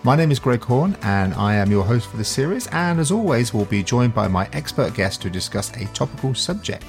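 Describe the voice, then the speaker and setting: A man's voice: mid-range voice, big pitch swings, brisk, soft background music. A man hosting a podcast, introducing his guest in a friendly, upbeat way and leading the interview with frequent fillers. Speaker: podcast host.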